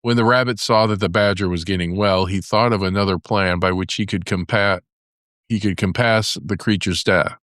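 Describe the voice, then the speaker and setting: A man narrating a fairy tale as a storybook, in a measured storytelling manner. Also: low-pitched, steady tone, fairly bright tone, no echo, studio quality. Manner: measured storytelling with character voices for dialogue.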